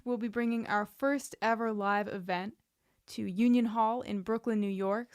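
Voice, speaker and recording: Female podcast co-host, high voice, unhurried pace, wry and joking, casual. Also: smooth, dry recording, clean studio sound. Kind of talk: casual podcast chat with announcements.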